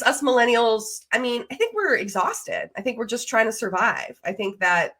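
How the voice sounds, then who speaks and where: A woman's voice: medium pitch, a bit bright. A woman in her thirties hosting a podcast in a casual, conversational interview style. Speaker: podcast host.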